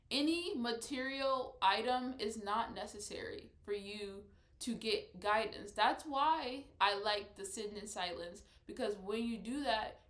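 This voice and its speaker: A woman's voice: mid-range voice, fairly bright tone. A woman talking casually in a spiritual vlog, rambling with many restarts, and she sounds congested and nasal. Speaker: vlogger. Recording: echoey room.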